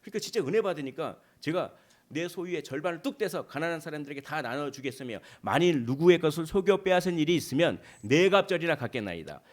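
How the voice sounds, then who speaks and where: A man's voice: on the high side, expressive, quick pace. A male pastor preaching a sermon in a conversational way, asking rhetorical questions and acting out short dialogues.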